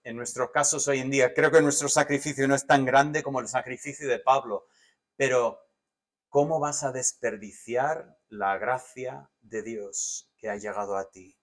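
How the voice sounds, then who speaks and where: A man with a Spanish accent from Spain preaching a sermon as pastor, animated, swinging between loud emphatic lists and soft, low asides. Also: a little slow. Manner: animated, varies loudness widely, drops to soft asides.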